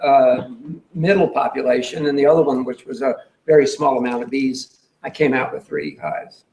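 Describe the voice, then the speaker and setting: A man's voice: mid-range voice, lively intonation, moderate pace, darkish tone. Easygoing man beekeeper, echoey room. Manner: joking, easygoing. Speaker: beekeeper panelist. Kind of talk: casual panel discussion. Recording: roomy echo with faint ambience.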